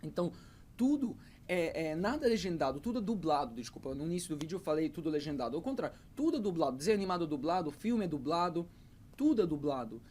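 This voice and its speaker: A man in his thirties, an English teacher, talks to camera about learning English in a fairly high, darkish-toned voice. He is very animated and fast, yet hesitant, full of fillers and repeated words. A little hiss or hum can be heard.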